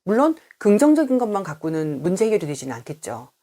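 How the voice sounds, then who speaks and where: A woman's voice: medium pitch, big pitch swings, quick pace, dark tone. A woman childcare educator giving a talk to parents and teachers, acting out sample questions to children along the way.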